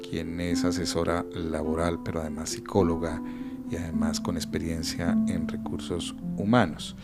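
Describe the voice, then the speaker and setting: A man hosting an interview podcast, asking measured, probing questions. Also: low voice, vocal fry. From Colombia. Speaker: podcast host.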